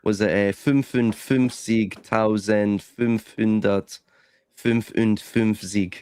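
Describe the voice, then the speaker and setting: A man's voice: on the low side, fairly even intonation, slow, darkish tone, clear, resonant tone, dry recording, clean studio sound. A man from Scotland with an Edinburgh accent, chatting casually as a stream host and often restarting his phrases. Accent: Edinburgh Scottish. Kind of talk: casual chat.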